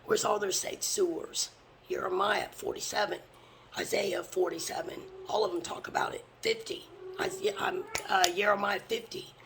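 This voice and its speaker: Gravelly, intense street preacher. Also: mid-range voice, steady tone, normal speed, background noise. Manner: intense, often drops to a hushed whisper; blunt, with occasional swearing. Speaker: religious teacher. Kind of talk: fervent scripture preaching.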